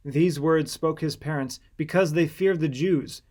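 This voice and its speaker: A man's voice: on the high side, unhurried, darkish tone. A man reading a scripted scripture narration as an audiobook narrator.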